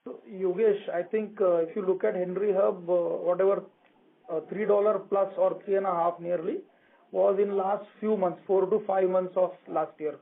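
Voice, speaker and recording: A man with an Indian accent answering as a company executive on a conference call, explaining cautiously and haltingly. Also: high voice, fairly even intonation, creaky. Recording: thin narrow phone line.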